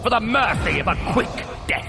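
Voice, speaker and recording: An actor playing a wrathful, menacing dark elf tyrant in an audio drama, speaking in theatrical threats. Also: male voice, sits high, expressive, brisk, creaky, a loud crowd. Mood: menacing rage. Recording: loud dramatic music behind. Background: loud music.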